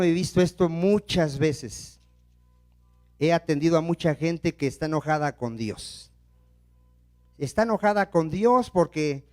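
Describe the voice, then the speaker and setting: A male pastor preaching a sermon, asking the congregation questions and letting them finish his sentences, moving between loud emphasis and hushed asides. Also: a little high. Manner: call-and-response questions to the congregation.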